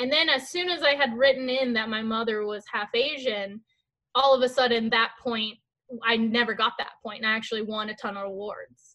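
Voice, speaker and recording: With an American accent, a woman talks at a fairly quick pace in a fairly high, bright and sharp voice. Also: ordinary pitch variation. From US military bases, partly Germany. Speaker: comedy video performer. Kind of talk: casual chat. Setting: video call.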